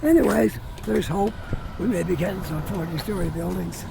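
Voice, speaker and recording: A man with a head cold and a raspy voice, chatting slowly as he walks through a city street filming a vlog. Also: high-pitched. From Canada. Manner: slow, chatty, drawn-out phrases. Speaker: walking vlogger. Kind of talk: casual walking commentary. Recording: street noise and traffic behind.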